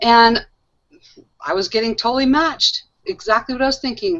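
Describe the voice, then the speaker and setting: A woman with a Canadian accent has an unremarkable speaking voice. Her intonation is lively and her pace fairly quick. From central Canada. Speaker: talk show host. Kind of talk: casual panel discussion. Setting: video call.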